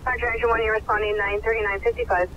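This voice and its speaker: A man's voice: high-pitched, level tone, very fast. A man working as a fire dispatcher, heard over a radio, reading back calls and times in clipped dispatch style. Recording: muffled radio with static noise.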